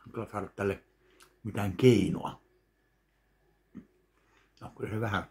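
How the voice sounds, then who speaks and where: A man in his thirties sits in his home kitchen, speaking close to a webcam with a low-pitched voice. He tastes candy and comments slowly and plainly, pausing to chew between remarks. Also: steady tone, a little mellow. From Finland. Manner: slow, chewing between remarks. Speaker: candy taste-test vlogger. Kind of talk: casual tasting commentary. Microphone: webcam at desk distance.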